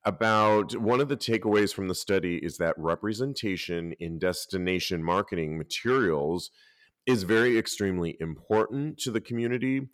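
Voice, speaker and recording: A man hosting a casual podcast, talking lively and reading out articles and listener posts. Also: on the low side, moderate pace, dry recording, studio quality. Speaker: podcast host.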